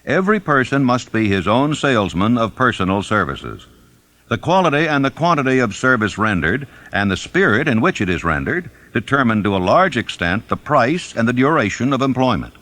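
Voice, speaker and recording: A man reading a self-help book as a scripted narration, deliberate and emphatic in his delivery. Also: mid-range voice, sing-song, a bit bright. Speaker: audiobook narrator.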